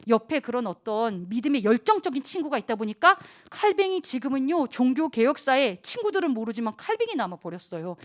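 A high-voiced woman pastor with a lively, questioning youth sermon. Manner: lively, asks the teens questions.

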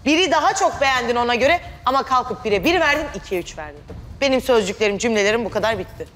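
A woman's voice: a little high, animated, fast talker, fairly bright tone, slight background noise. A woman contestant on a cooking show, arguing insistently with an older woman about her scores. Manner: insistent, argumentative. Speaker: contestant, daughter-in-law. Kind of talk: reality show argument. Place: TV studio set.

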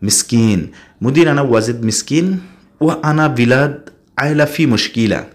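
A man with a Bangladeshi accent teaching basic spoken Arabic, repeating each word slowly and mixing in English phrases. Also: mid-range voice. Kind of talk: spoken language lesson.

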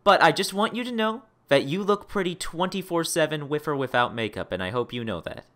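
A woman's voice: sits low, animated, a little fast, fairly bright tone. A woman hosting a casual interview in an effusive, playfully dramatic way. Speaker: interview host.

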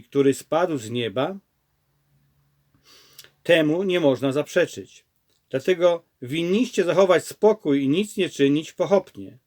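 A man reading out an ancient city clerk addressing an unruly assembly, read in a steady, unhurried voice that sits a little high for a man. It is a plain scripture reading. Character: male city clerk calming a crowd.

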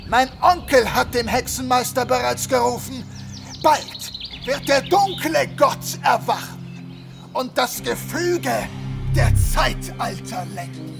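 A high-voiced, creaky cult fanatic. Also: male voice, heavily acted. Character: crazed young cultist nephew, fanatical and menacing. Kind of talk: audio drama acting.

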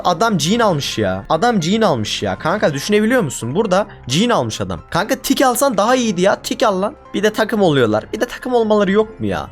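A man giving casual commentary over his own gameplay, exasperated and ranting at his teammates. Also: high-pitched. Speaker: gaming YouTuber.

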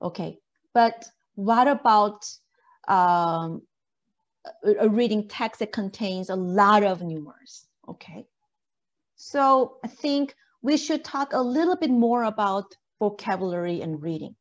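A woman's voice: mid-range voice, expressive, unhurried, lo-fi sound. A woman lecturer giving an interactive online lesson in an encouraging way, checking understanding with questions. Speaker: university lecturer. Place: indoor video call.

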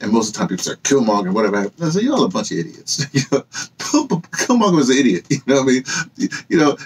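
An older man with an American accent and a husky voice, giving an emphatic, off-the-cuff opinion monologue to camera in a small room. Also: mid-range voice, quick pace, slight background noise. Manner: animated, emphatic, rhetorical questions, gesturing. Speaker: vlogger and activist commentator. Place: small cluttered indoor room with books and hanging fabrics.

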